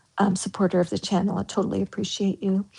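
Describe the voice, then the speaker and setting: The woman's tone is dark and mellow. Her voice sounds somewhat breathy. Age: 70s. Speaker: tarot reader. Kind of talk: live stream tarot reading. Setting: live stream. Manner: casual and chatty.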